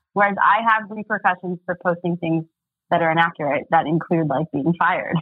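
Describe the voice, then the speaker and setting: With an American accent, a woman talks in an ordinary speaking voice with fairly even intonation. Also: fairly low pitch for a woman, fairly quick pace. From Maryland, outside Washington DC. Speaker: TV news journalist. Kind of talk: casual interview. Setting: podcast recording.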